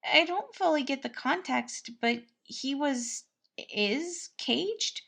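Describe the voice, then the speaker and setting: A woman voicing a kindly, eager young male palace cook in a fan-fiction audiobook, gentle, bubbly and a little hesitant. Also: sits high, lively intonation, slow, vocal fry, pitched above the performer's own voice, heavily acted. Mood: curious, unsure.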